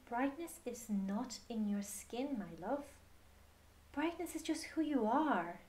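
A woman voicing a wise, tender mother in a children's storybook, gentle, comforting and reassuring. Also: on the high side, lively intonation, slow.

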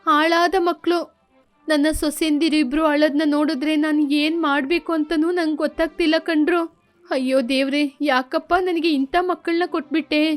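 A woman's voice: high-pitched, fairly even intonation, moderate pace, soft background music, lightly acted. Woman voicing a scolding old mother-in-law. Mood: distressed. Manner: scolding, lamenting. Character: stern grieving older mother-in-law.

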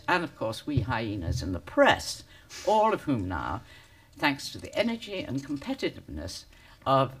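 Older woman, deep smoker's voice, sardonic debater, hugely animated pitch. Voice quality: deep smoky voice. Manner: witty, sardonic, theatrical. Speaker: panelist. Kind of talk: public debate speech. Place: conference hall.

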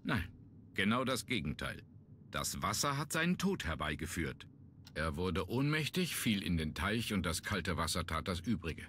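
An actor playing a businesslike police inspector in a video game, inquisitive and matter-of-fact. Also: male voice, low voice, big pitch swings, normal speed, a bit bright, a little hiss or hum. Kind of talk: German video game voice acting.

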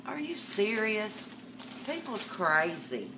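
An older woman hosting a live jewelry sales stream, chatty and warm with viewers, calling them darling and greeting them by name. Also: mid-range voice, wildly swooping pitch, takes it slowly. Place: room with a jewelry display wall, indoors. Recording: distant mic with background noise.

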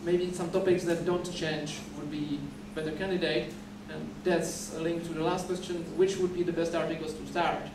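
This young conference speaker from the Czech Republic, a native Czech speaker, stands at a podium in a dim lecture hall. He has a highish voice, flat delivery and normal pace with hardly any pauses, frequently repeating and restarting phrases. Audio is noisy and echoey, caught from far away by a camera off the podium mic.

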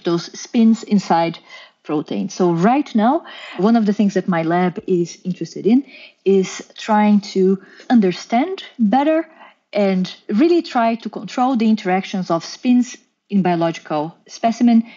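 Brazilian-accented woman, mellow muffled voice. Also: medium pitch, breathy edge. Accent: Brazilian Portuguese. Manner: careful, explanatory, with occasional restarts. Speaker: guest scientist. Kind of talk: podcast interview, explaining.

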